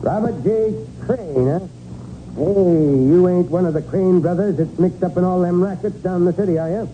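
Man as a high-pitched small-town police chief, tinny radio. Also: moderate pace, natural voice. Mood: scornful scolding. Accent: American. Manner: folksy, blunt, scornful. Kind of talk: 1940s radio crime drama acting. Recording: tinny, noisy 1940s radio recording.

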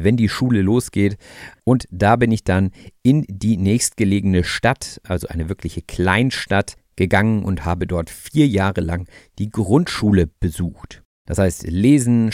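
A man in his thirties from northern Germany, hosting a podcast for German learners in calm, clear, deliberate narration. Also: low-pitched, no room sound, clean studio sound. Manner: calm, explanatory, easygoing. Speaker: podcast host teaching German.

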